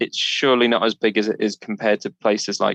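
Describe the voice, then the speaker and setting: Fairly low in pitch, a man speaks at a fairly quick pace with fairly even intonation. The sound is dry and close with no echo, over a quiet background. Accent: British. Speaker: parapsychologist. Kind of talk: interview.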